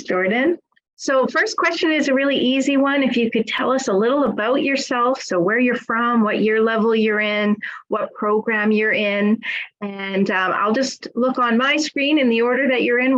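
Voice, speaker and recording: A middle-aged woman, a nursing school director, moderating a webinar panel with a warm, encouraging way of asking questions. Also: a little high, normal speed. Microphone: video call. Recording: slightly dull video-call audio.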